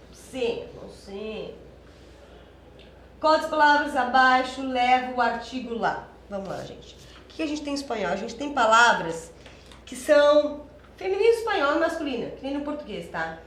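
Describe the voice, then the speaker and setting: A young woman prepares students for a Spanish exam, walking through the material step by step in a chatty way and checking in with them often. Her voice is a little high and fairly bright, heard in a reverberant space with slight hiss or hum.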